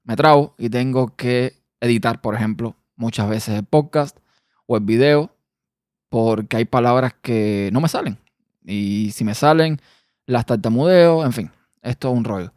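A Cuban-accented man talks through a personal podcast episode on his own. He is a quick talker who now and then stumbles over a word. His voice sits at an ordinary middle pitch in a dry room with no echo. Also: a little mellow. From Cuba. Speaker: podcast host.

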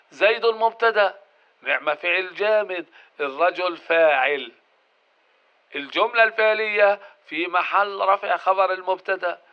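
A man's voice: a little high, clean tone. A man teaches grammar, working through each point in order. He puts questions to the class and answers them himself. The recording sounds dull and lo-fi. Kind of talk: explanatory grammar lesson.

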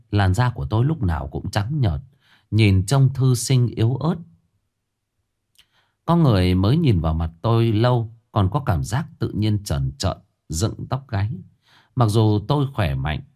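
A man tells a first-person ghost story. His voice is low and very lively, rising and falling widely, and he narrates in an expressive, unhurried way.

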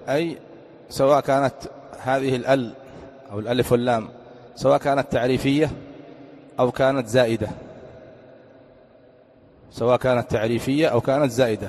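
A male religious teacher giving an Arabic grammar lesson, often quizzing his listeners with quick questions. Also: medium pitch, a little mellow. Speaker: Islamic teacher. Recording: long echoing reverb.

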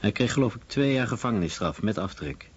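A man's voice: fairly low pitch, lively intonation, brisk, husky. A man playing a matter-of-fact lawyer testifying in a radio documentary drama. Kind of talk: Dutch voice-over of testimony. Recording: dull, muffled radio recording.

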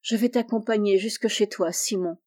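A woman reading the part of a devoted, affectionate young man, speaking softly and earnestly. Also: high voice, steady tone, moderate pace.

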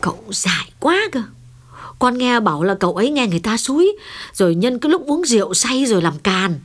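A woman voicing a gossipy, excitable household cook in an audiobook. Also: a little high, a little fast. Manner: gossiping, alarmed cries.

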